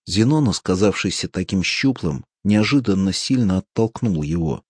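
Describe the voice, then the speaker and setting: Deep husky guy reading a novel aloud, steady and measured, dry close mic. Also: no room sound. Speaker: audiobook narrator. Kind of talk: scripted narration.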